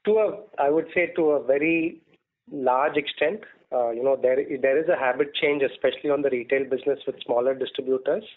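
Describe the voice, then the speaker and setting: A man speaks as a company executive answering questions on a conference call. His voice sits at a middle pitch and his phrasing is measured and full of verbal padding. The line is thin and phone-like. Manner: hesitant, measured corporate phrasing with frequent "you know". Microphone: telephone conference call.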